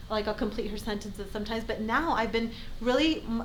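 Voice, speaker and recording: A woman's fairly high, animated voice at a very fast pace, with noticeable background noise and audible room echo. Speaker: real estate sales trainer. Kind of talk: training session.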